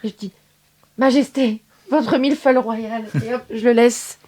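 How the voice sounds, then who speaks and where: A woman's voice: on the high side, fairly even intonation, moderate pace, a little mellow. A woman playing in an improvised tabletop game, playful, stammering a bit in character. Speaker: player. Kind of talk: improvised role-play.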